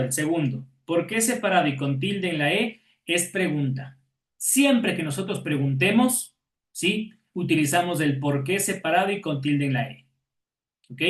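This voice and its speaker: Guy teaching a class online, a bit high voice, lots of "ya?" checks, echoey room. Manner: explains patiently, checks with "¿ya?" and "¿sí?".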